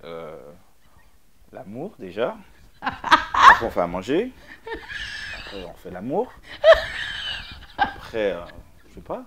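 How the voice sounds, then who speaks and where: A middle-aged man, a DJ guest, answering interview questions in a joking, blunt way, with many fillers and pauses. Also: fairly low pitch, huge pitch swings, crowd noise. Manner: jokey, blunt, hesitant with fillers. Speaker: DJ and producer guest.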